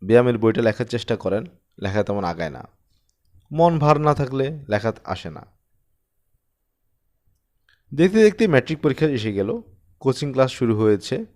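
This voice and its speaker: Man narrating with lively intonation. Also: medium pitch, normal speed, long pauses. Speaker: audiobook narrator. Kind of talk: expressive story narration.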